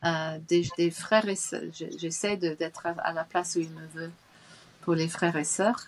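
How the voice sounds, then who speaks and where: With big swings in loudness, a woman talks at a fairly low pitch and fairly slow pace in a monotone, flat delivery. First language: English (speaking French). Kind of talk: testimony interview. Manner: halting, many hesitations.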